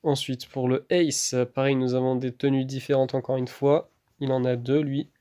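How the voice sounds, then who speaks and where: A man's voice: medium pitch, moderate pace, clean tone. A man giving a casual voice-over commentary on gameplay, hesitant and chatty, with many fillers and restarts. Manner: relaxed, chatty. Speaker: gaming YouTuber.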